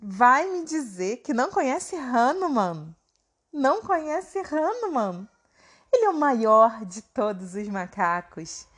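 A woman's voice: a little high, sing-song, slow, a bit bright, exaggerated voice. A woman voicing Bima, a proud and mighty male warrior who speaks with emphatic indignation. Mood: fervent.

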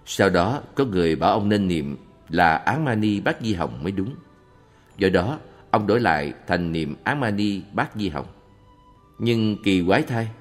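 Deep-voiced man reading Buddhist answers. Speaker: reader of a monk's answers. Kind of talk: calm read-aloud Buddhist Q&A. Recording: long reverb with faint background music.

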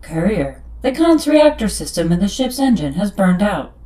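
Ship AI, female, actress: precise, polite, literal, animated intonation, roomy echo, audio drama. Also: medium pitch, normal speed, faint music behind, lightly acted. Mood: formal, helpful. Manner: formal, precise, literal-minded. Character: polite, literal female ship computer assistant, formal and unflappable.

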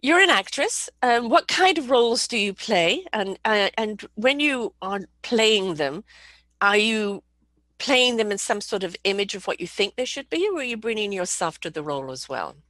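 A woman hosts an interview, lively and encouraging, with a voice of middle height. Her words come across dry and close to the mic. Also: medium pitch, normal speed, no room sound. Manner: animated, encouraging, laughs often. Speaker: interview host. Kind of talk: conversational interview.

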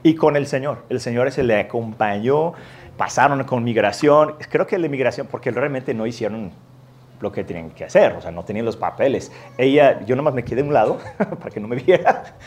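A man telling a lively, self-mocking anecdote as part of a sermon, jumping into the voices of the people in the story. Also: medium pitch, fairly quick. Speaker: preacher.

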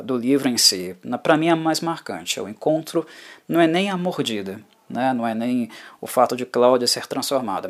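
A man hosting a book club podcast, giving a reflective and heartfelt solo analysis of a novel. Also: mid-range voice. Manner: reflective, heartfelt, often tags phrases with a questioning filler. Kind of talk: solo literary analysis monologue.

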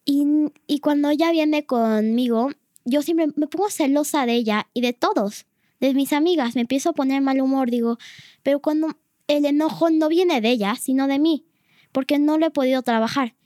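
Hesitant high-voiced teenage girl. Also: moderate pace, a little mellow, no room sound, studio quality. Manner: hesitant, many fillers and restarts, earnest. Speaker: guest, host's daughter. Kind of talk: casual personal sharing.

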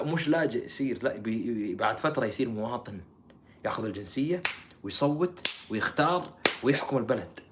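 A man's voice: mid-range voice, a bit bright, slight background noise. A man giving heated political commentary, mocking and firing rhetorical questions.

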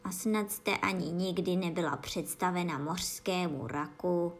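A woman's voice: on the low side, fairly even intonation, close to an everyday voice. A woman voicing a sad, tearful sea-turtle creature in a bedtime storybook reading. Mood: mournful. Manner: tearful, slow and mournful.

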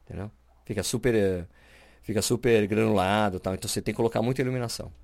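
A man's voice: fairly low pitch, rapid-fire, creaky, a little mellow, no room sound. A man from Brazil co-hosting a podcast, chatting casually and explaining camera settings with lots of fillers and restarts. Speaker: podcast co-host. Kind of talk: casual chat.

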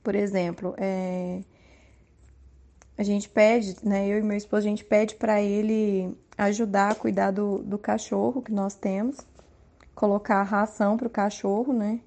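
A woman in her thirties with a Brazilian Portuguese accent talks about raising her child. Her voice is mellow and sits at a middle pitch. She speaks softly and without hurry, and keeps checking in with a gentle tag question. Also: little pitch movement. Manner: soft-spoken, unhurried, frequent tag questions. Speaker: mother sharing parenting tips. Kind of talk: calm personal testimony.

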